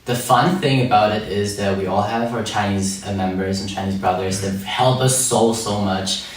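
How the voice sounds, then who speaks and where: A man's voice: fairly low pitch, fairly even intonation, moderate pace. A young man from Thailand, a boy band member, answering interview questions in a friendly, casual way and laughing often. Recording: echoey room, mic at a distance.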